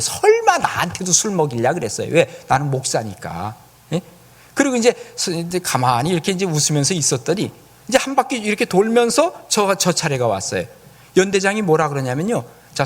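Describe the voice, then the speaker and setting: A male pastor preaching to a church congregation, telling a personal story with acted-out quotes. His slightly high voice rises and falls dramatically, and he often turns to the listeners with questions. The delivery is vivid and conversational. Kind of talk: sermon.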